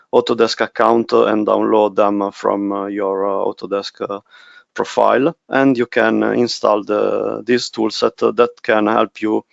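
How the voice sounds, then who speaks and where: A man with an Italian accent presenting a software webinar, speaking haltingly with many pauses. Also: on the low side, vocal fry, no room sound, highs cut off. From Italy. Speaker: technical specialist presenter.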